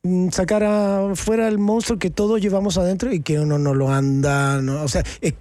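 A man's voice: sits high, steady tone, moderate pace, dark tone, dry recording. A man with a Chilean accent, an actor talking candidly in an interview, casual and slangy with lots of fillers and tag questions.

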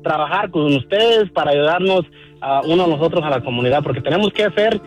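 This middle-aged Mexican car dealer, with a Mexican accent, speaks briskly in a fairly high voice with lively intonation as a radio guest. His casual interview chat is warm, folksy and full of fillers, captured on a rough recording with faint music behind.

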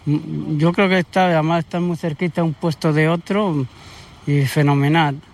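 A man's voice: fairly high pitch, steady tone, moderate pace, gravelly. A man from central Spain, a beach visitor, answering a street interview in a chatty, enthusiastic way and joking now and then. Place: outdoors on a beach.

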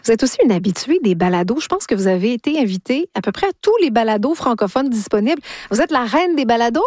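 Higher-pitched woman radio host. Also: lively intonation, fast talker, a little mellow, no room sound, clean studio sound. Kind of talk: radio interview.

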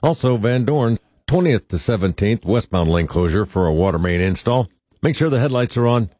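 A man's voice: lowish voice, lively intonation, brisk, mellow, dry recording. An American man delivering a scripted traffic report on the radio. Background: music bed.

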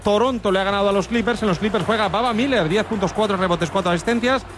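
A man's voice: sits high, fast, over music. A man with an accent from Spain reading out sports scores and statistics on the radio. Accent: Spanish from Spain. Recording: radio broadcast with faint background noise.

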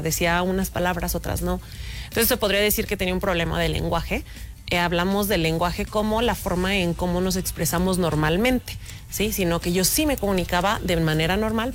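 A woman, an interview guest, explaining and telling stories from her childhood in a warm conversational way. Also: fairly low pitch. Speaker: sign language interpreter guest.

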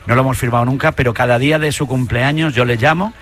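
A man hosting a radio interview, chatty and eager, quick to agree and jump into the conversation. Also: mid-range voice, fairly even intonation, fairly bright tone. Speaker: radio host.

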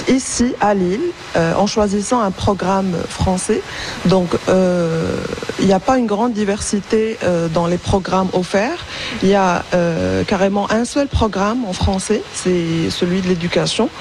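A young woman whose first language is Arabic, a school support worker, answers radio interview questions hesitantly, full of fillers and restarts. Her voice is medium-pitched, and the background is noisy.

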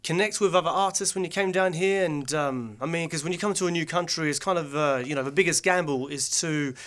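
A man hosting a casual radio interview, halting and rephrasing with many fillers. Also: on the high side, a bit bright. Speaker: radio host.

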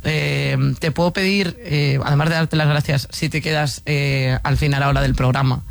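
A woman from hosting a casual chat show, lively, with frequent laughs and interjections. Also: sits low, normal speed, gravelly. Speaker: host.

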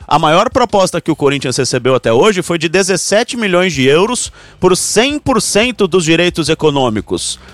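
A man's voice: a little high, very animated, normal speed, hardly any pauses, dry recording. A man, commenting on football on a sports talk show, explaining steadily and citing figures.

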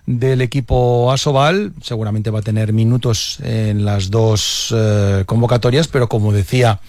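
A man presenting regional sports news on the radio, measured and pausing with frequent fillers. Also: fairly low pitch, steady tone, a little mellow, dry recording.

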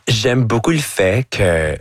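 A man's voice: fairly low pitch, big pitch swings, slow pace, no room sound. A young man with an Acadian French accent, speaking as a drag artist guest in a studio interview, sprinkling English words and fillers through his talk. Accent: Acadian French (chiac). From Acadia, Canada.

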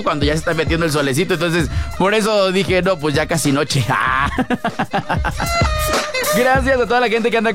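A man's voice: high voice, a bit bright. A man with a Mexican accent hosting a radio show, playfully reading out listener messages with laughs and sing-song exclamations. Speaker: radio host. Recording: music under the voice. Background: music.

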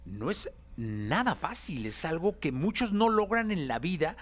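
A man's voice: a little high, very animated, unhurried, a bit bright. A man hosting an interview, affirming and prompting his guest. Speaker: interviewer host. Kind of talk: interview questions.

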